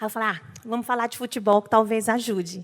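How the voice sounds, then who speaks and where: A woman speaks in a Recife accent. The recording is very clean, with a silent background. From Recife, Brazil. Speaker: educator, school association director. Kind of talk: church lecture. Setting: church.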